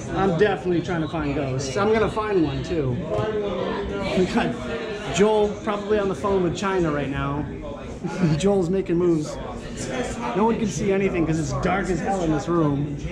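A man speaks at a moderate pace with ordinary pitch variation and long, frequent pauses, crowd noise audible behind him. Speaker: vlogger. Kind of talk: casual vlog chat. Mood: joking, amused. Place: home room. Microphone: phone near.

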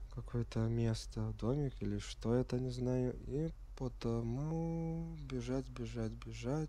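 Audible room echo follows this man. He talks very slowly. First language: not Russian (speaking Russian). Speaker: gaming video creator. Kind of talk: let's play commentary. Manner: halting.

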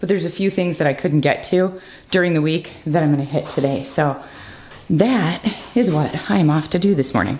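A woman speaks at a moderate pace with fairly low pitch and ordinary pitch variation. Her loudness stays very even over light background noise. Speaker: family vlogger mom. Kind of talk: casual vlog chat. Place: kitchen. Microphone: phone near.

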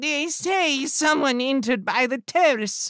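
In a put-on character voice, the speaker sounds whiny and high-pitched at a fairly slow pace.

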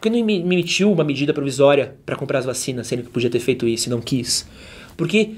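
At a fairly quick pace, a man with a fairly high pitch speaks in an animated, somewhat breathy tone. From Brazil. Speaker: YouTuber; channel host. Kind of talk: rant. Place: studio.

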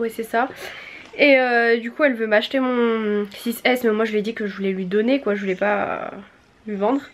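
A woman speaks at a moderate pace. Her fairly high voice keeps a fairly even intonation. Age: 20s. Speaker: vlogger and nursing student; vlogger. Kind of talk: casual vlog talk to camera. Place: home room. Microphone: phone near.

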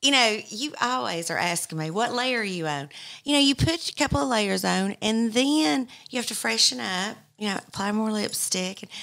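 Speaking at a moderate pace, a woman has a Southern US accent and a fairly high pitch. Her pitch swings very widely. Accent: Southern US country twang. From Southern United States. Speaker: stand-up comedian. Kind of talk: interview answer. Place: studio. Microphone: studio mic.

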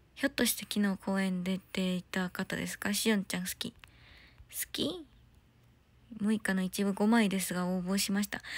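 A woman with a Korean accent speaks at medium pitch and a moderate pace in a somewhat breathy voice, with fairly even intonation and long, frequent pauses, in a dry recording with no echo. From South Korea. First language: Korean (speaking Japanese). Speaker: idol singer; idol livestreamer. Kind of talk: casual live stream chat. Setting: at home. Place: home room. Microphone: phone near.

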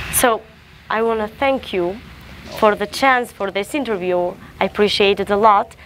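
With an Albanian accent, a woman of medium pitch speaks at a moderate pace with fairly even intonation and long, frequent pauses, the sound dry with no echo and light background noise. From Kosovo. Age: young. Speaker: TV interviewer. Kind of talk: interview. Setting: military camp. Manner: formal. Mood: friendly, smiling. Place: open country.

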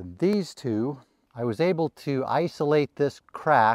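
The background is quiet and the sound is dry with no echo. A man speaks with ordinary pitch variation. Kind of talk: casual tutorial commentary. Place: open country.

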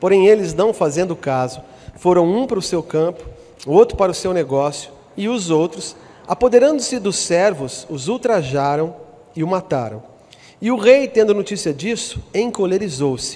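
A man with a high voice talks with very wide swings in pitch. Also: moderate pace. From Brazil. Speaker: scripture reader. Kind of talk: reading aloud. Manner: narrator-like delivery. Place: hall.

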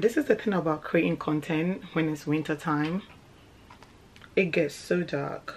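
A woman's fairly low voice, a normal speaking voice, at a moderate pace with ordinary pitch variation and light background noise. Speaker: vlogger. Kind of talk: casual vlog chat. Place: home room. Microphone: camera far.

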